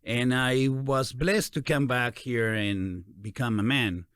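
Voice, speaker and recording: A man in his forties with a Peruvian Spanish accent, hosting a casual interview in an animated, encouraging way. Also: mid-range voice, slow pace, clear, resonant tone, no room sound, studio quality. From Peru. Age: 40s. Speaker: interview host.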